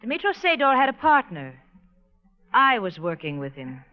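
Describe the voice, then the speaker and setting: A woman's voice: fairly high pitch, big pitch swings, normal speed, soft background music. An actress playing a greedy, ruthless woman doctor, speaking formally and precisely in old radio drama style. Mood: cold, menacing. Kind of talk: 1940s radio acting. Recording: dull old-time radio recording.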